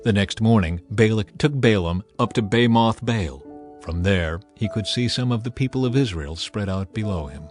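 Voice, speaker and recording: A man's voice: lowish voice, normal speed. A man giving a solemn, scripted dramatic narration of scripture as a storyteller. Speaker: narrator of a dramatized audio Bible. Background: background music.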